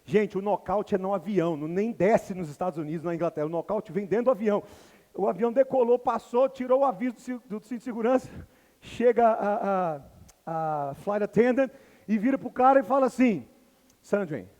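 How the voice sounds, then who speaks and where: In a large hall, a Brazilian English teacher with a high, brisk voice animates his live lecture with anecdotes, playing each of the people in his stories.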